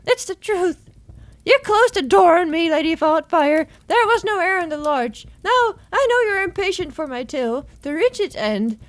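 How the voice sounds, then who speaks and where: A woman voicing a prim, long-suffering young gentlewoman who recounts her story in formal, measured visual novel narration. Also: very high voice, expressive, no room sound. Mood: prim, reproachful.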